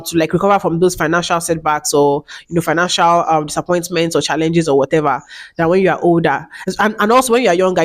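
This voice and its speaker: A woman in her late twenties talking casually to camera as a vlogger, chatty and repeating herself, with many fillers. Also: on the low side. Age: 20s.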